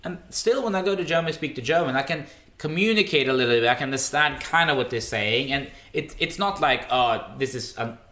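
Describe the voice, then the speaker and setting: A man's voice: mid-range voice, brisk, echoey room. A man in his twenties, a native Swedish speaker, talking emphatically as a podcast guest and often restarting his words. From Sweden. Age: 20s. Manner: animated, emphatic, repeats words when starting. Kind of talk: casual podcast interview.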